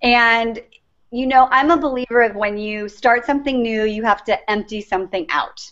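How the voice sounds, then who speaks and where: A woman's voice: a little high, moderate pace, fairly bright tone. A middle-aged woman, a life coach, telling her story earnestly as an interview guest. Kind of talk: interview answers, personal story. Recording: dull lo-fi recording.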